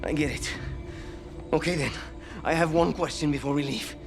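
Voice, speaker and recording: A nervous, talkative pilot in a video game. His voice sits fairly high with a clear creak, and he sounds like a wry, exasperated everyman. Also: moderate pace, over music. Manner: nervy, chatty, wry. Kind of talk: video game cutscene acting.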